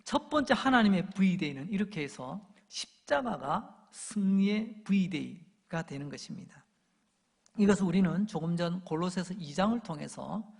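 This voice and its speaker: Gravelly-voiced male pastor preaching in a reverberant hall. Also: sits high. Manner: animated preaching, acting out crowd shouts and taunts. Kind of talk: sermon. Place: church sanctuary. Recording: long church hall reverb.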